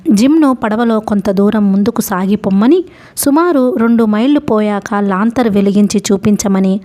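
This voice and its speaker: A woman narrates a novel chapter by chapter in a steady, measured storybook style. Her voice is mellow and warm, never sharp. Her pitch sits in an ordinary middle range.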